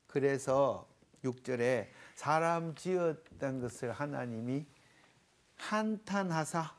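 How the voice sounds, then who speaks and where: A middle-aged pastor teaches scripture to a small panel. His pitch swings widely as he works through his points. He explains old Hebrew words with homely everyday examples. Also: expressive, takes it slowly. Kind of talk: televised Bible lecture with a panel.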